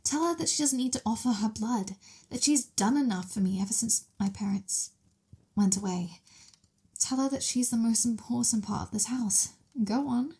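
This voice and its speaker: A woman's voice: a little high, moderate pace, vocal fry, warm tone, breathy edge, exaggerated voice. A woman playing a sweet, hungry young vampire mistress in an ASMR roleplay, talking in a casual, playful, giggly way. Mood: fond, coaxing.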